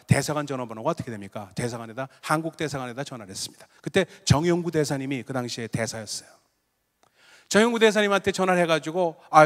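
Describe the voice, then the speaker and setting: A middle-aged male pastor preaches in a voice set a little high, telling a story and leaping from loud emphatic bursts down to hushed, low asides. His words ring out with a long reverb through a large church hall. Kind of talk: sermon.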